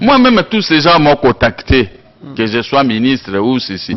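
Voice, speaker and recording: A man's fairly high voice at a fairly slow pace, with very wide pitch swings and noticeable background noise. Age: 60s. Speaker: opposition politician. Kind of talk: interview.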